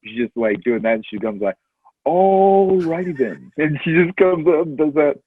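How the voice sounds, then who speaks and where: A man's voice: on the high side, animated, moderate pace, husky, dry recording. A man co-hosting a movie podcast, laid-back and quoting films in casual chat. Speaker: podcast co-host. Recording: tinny phone-like line.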